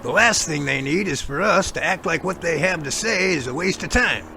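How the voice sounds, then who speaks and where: Man playing an earnest, gravelly Bigfoot investigator. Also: a little high, expressive, bright, forceful tone, slight background noise, full character voice. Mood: earnest, reassuring. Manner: measured, explanatory, speech-making. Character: earnest, self-assured male Bigfoot investigator, professorial. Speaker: actor in a Sasquatch audio drama. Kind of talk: amateur audio drama dialogue.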